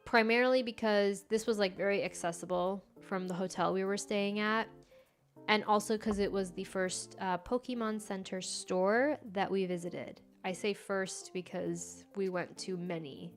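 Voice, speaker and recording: A young woman whose first language is Farsi, hosting a live stream in a relaxed, chatty way. She giggles a lot and fills her talk with small fillers. Her voice sits at an ordinary middle pitch, with soft music playing faintly behind her. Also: moderate pace. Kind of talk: casual live-stream chat.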